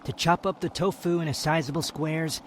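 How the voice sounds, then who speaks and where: A man's voice: fairly high pitch, steady tone, moderate pace, slight background noise, close to an everyday voice. A man playing a proud, sardonic young wanderer, a guarded yet tender lover, in an intimate romantic ASMR roleplay with a teasing, haughty, dramatic delivery. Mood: haughty, playful.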